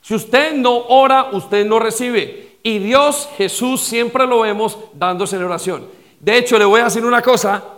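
A male pastor preaching a sermon with rhetorical questions and repetition, swinging between loud stress and quiet dropped lines. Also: very high voice, measured pace.

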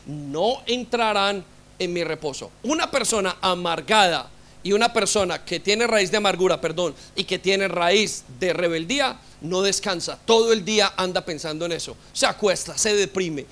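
Male pastor, fervent sermon delivery, high bright voice, drives points home with rhetorical questions. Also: moderate pace. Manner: impassioned preaching with rhetorical questions.

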